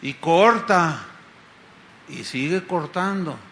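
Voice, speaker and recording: A middle-aged Mexican pastor preaching a sermon in a conversational style, often asking the congregation rhetorical questions. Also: male voice, a little high, lively intonation, takes it slowly, pushed and bright. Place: church congress hall.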